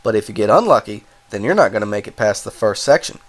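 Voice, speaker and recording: A man's voice: lowish voice, big pitch swings, fast talker. A man with a cold and a stuffed-up voice, casually reviewing a video game, rambling and correcting himself as he goes. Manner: rambling, self-correcting, apologetic asides. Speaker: game reviewer, channel host.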